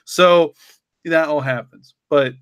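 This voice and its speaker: A man with a slightly high voice talks casually on a podcast. He explains his thinking in a loose, rambling flow peppered with "you know," and the sound is dry and close. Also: slow, a bit bright, smooth, no room sound. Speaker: story writer and podcast co-creator.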